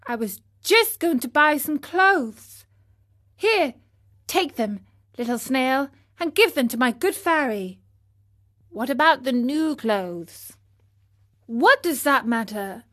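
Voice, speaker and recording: A woman's voice: sits high, lively intonation, a bit bright, exaggerated voice. A woman voicing an eager, earnest wooden puppet boy who talks in breathless, pleading bursts. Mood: distressed. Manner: breathless, pleading, rapid questions.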